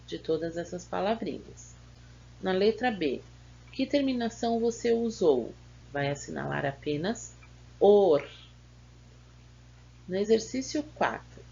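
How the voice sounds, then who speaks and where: Slow, gravelly Brazilian teacher woman. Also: mid-range voice, dark tone, highs cut off. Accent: Brazilian Portuguese. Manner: slow, patient, spells words syllable by syllable. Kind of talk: correcting schoolbook exercises.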